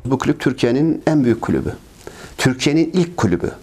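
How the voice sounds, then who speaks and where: A man's voice: mid-range voice, very animated, fast, music in the background. A man in his fifties, a ski club president, answering interview questions earnestly, complaining at length, with many fillers and repeated phrases, recorded on a lapel mic in a trophy-filled office. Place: office with trophies and flags, indoors.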